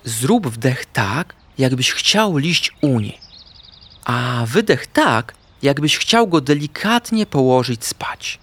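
Man doing a calm wise lady owl. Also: mid-range voice, takes it slowly, husky, heavily acted. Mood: soothing. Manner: calm, gentle, reassuring.

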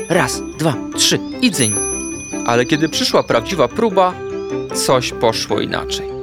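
A man reads a children's story aloud in a warmly expressive, sing-song way. His voice sits at an ordinary pitch but moves up and down a great deal. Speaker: narrator.

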